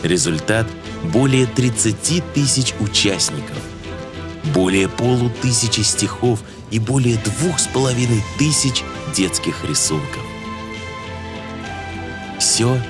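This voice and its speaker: A man's voice: lowish voice, expressive, measured pace. A man working as an announcer, reading scripted promotional narration. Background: music.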